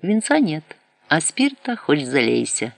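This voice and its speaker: A man's voice: on the high side, sing-song, normal speed, gravelly, a bit bright, no echo, exaggerated voice. A man reading an audiobook, voicing a shifty, falsely polite older black-market dealer with a Moscow Russian accent. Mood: wheedling. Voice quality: fawning, falsely polite, mixes broken Ukrainian with Russian. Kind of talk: audiobook character voice.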